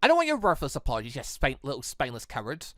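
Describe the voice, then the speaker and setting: A gaming creator acts out a warrior woman's bitter hidden side from a visual novel. She taunts and accuses in a bright, swinging voice, recorded close and dry. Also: mid-range voice, huge pitch swings, very fast, dry recording, pitched below the performer's own voice. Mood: bitter, accusing. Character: bitter, mocking alter ego of a young warrior woman.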